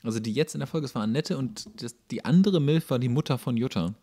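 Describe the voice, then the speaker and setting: A man's voice: medium pitch, fast talker, dark tone, slightly rough. A man co-hosting a podcast in casual, sardonic banter. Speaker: podcast co-host. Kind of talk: casual chat, banter while watching TV.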